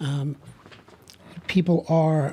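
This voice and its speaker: A man with a New York accent has a dark, mellow tone. His pitch is fairly high. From New York City, the Bronx. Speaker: paramedic. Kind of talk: casual chat. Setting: home studio. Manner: loud.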